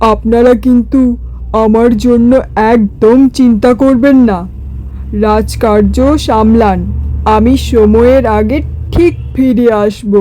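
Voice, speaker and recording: A woman's voice: fairly high pitch, warm tone, rough recording. A woman voicing an earnest, dutiful young prince in a cartoon fairy tale, speaking politely and deferentially.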